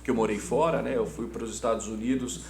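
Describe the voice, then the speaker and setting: A man's voice: fairly low pitch, steady tone, fairly quick, creaky, darkish tone. A middle-aged Brazilian man answering conversationally as an interview guest, enthusiastic and emphatic, often repeating his words. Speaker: interview guest, hotel business executive. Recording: roomy echo, audible background hum.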